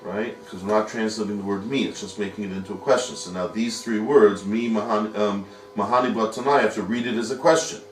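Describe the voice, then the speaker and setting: A man's voice: lowish voice, fairly even intonation, fast, few pauses, a little hiss or hum. A man teaching a Talmud study lesson, patiently explaining step by step and posing rhetorical questions. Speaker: yeshiva teacher. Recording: echoey room, mic at a distance.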